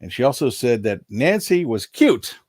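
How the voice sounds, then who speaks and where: A man's voice: medium pitch, very animated, normal speed, a little mellow, slightly rough, dry recording, clean studio sound. An older man hosting a casual live stream, rambling in a folksy way and reading out viewer names, a little nasal from allergies. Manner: rambling, folksy, chuckling asides.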